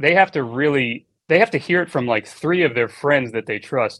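A man with an American accent speaks at a moderate pace in an ordinary speaking voice, pitched fairly high, with lively intonation. The sound is dry and close, with no echo. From Maryland, US. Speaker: session guitarist. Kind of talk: casual chat.

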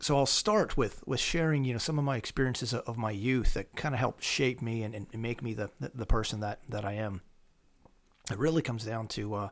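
In an American accent, a man with an ordinary speaking voice talks at a medium pitch and a fairly quick pace on a very clean recording with a silent background. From Pennsylvania, southern Lancaster County. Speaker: firearms trainer, army veteran. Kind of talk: casual chat. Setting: office.

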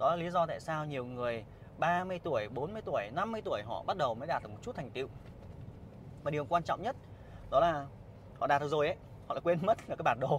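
A man with a fairly high pitch speaks at a very fast pace with lively intonation. Long, frequent pauses break up his speech. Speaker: motivational vlogger. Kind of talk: casual motivational talk to camera. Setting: in a car.

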